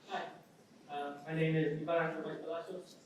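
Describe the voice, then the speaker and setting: A man born in Ecuador asks the panel a short question, hesitating with uhs. His voice is flat and even. He is heard from far off in a strongly echoing hall with faint background noise. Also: fairly high pitch, a little fast. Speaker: audience member, delegate.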